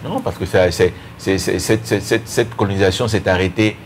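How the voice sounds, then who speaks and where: Cameroon-born man, Bassa native, low voice, faint background hiss, explanatory guest with restarts. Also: fairly even intonation, moderate pace. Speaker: guest commentator. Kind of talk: panel discussion.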